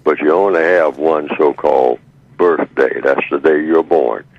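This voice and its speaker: A man in his eighties speaking by phone as a radio guest over a clipped line, slow and measured with halting fillers. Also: very deep voice, dry recording. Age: 80s. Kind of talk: radio call-in talk by phone. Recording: dull, dry phone line.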